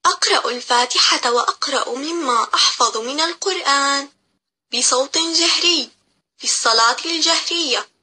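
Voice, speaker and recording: High, bright-voiced woman narrating a lesson. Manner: measured, clear step-by-step reciting. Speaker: teacher narrator. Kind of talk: scripted instructional narration for young children.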